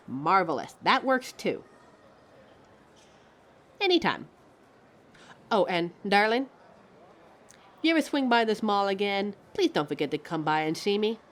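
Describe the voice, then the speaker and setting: A woman's voice: mid-range voice, lightly acted. Woman acting as a theatrical, haughty living fashion mannequin. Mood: flattered, fond. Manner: theatrical, dramatic, articulate, addresses listener as darling. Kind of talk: scripted audio roleplay, speaking directly to listener.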